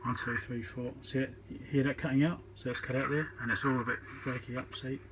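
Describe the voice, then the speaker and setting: A man's voice: medium pitch, steady tone, a little fast, noisy background. A man giving an informal, matter-of-fact hands-on repair tutorial, thinking aloud as he works, recorded on a phone on a tripod. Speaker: electronics repairer demonstrating.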